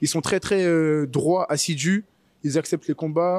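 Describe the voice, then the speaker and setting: A man with a fairly high pitch and fairly even intonation is heard on a very clean recording against a silent background. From Paris suburbs, Val-de-Marne. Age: 20s. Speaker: amateur MMA fighter. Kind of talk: interview. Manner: halting.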